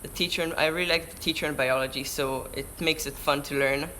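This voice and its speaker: A fast-talking Israeli teenager with a Hebrew accent, this surfer vlogger has a slightly high, steady, pushed and bright voice. During a chatty live stream he reads viewer questions aloud and answers them, often restarting words partway. The rough recording, made indoors by a window on a camera-mounted shotgun mic, carries a little hiss or hum.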